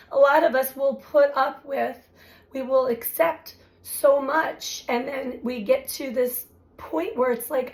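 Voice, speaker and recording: A woman with a somewhat high but flat, even voice speaks slowly and reflectively, pausing often as she searches for words. Her voice is still recovering from being lost to illness. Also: rough recording. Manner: slow, halting, reflective, many fillers. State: recovering from voice loss. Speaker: spiritual astrology channel host. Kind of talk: unscripted spiritual talk to camera.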